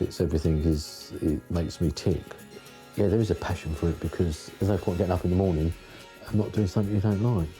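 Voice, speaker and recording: A man, a furniture maker, talking in a relaxed, heartfelt way in an interview. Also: low voice.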